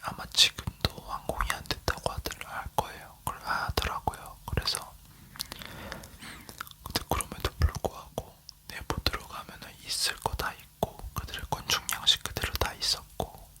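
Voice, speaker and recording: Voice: moderate pace, sharp tone. An ASMR creator from South Korea leaning in to whisper, chatting casually as they tell a travel story.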